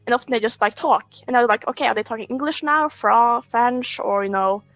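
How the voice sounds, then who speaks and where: A woman's voice: a little high, brisk, fairly bright tone, dry recording, soft background music. A woman guest on a podcast, chatting casually in a rambling, conversational way and telling anecdotes. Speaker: podcast guest, fanfiction writer.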